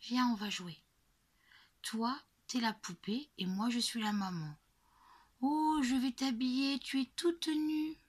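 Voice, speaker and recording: A woman voicing a sulky, tearful little girl with shrill, whiny outbursts. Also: slow. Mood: tender play.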